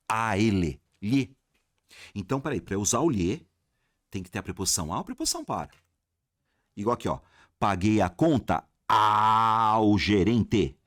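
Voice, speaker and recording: A man with a Brazilian Portuguese accent teaching a lively exam-prep grammar lesson, talking straight to his viewers and asking himself questions. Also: medium pitch, no room sound, studio quality. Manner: animated, addresses viewers as "galera", asks himself questions.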